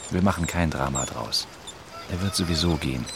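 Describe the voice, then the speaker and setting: A very low, creaky voice comes through clear rain noise: an enigmatic male stranger. He is a laconic, deadpan fatalist, blunt and unsentimental, in a naturalistic radio drama. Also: brisk. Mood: deadpan, resigned. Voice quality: gravelly.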